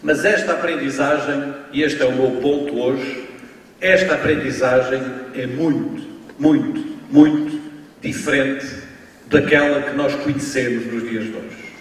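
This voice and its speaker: A man from Portugal with a European Portuguese accent, giving a university lecture in a slow, emphatic way, often adding tag questions. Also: medium pitch. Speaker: guest lecturer. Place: large lecture hall. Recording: distant, echoey hall recording with faint ambience.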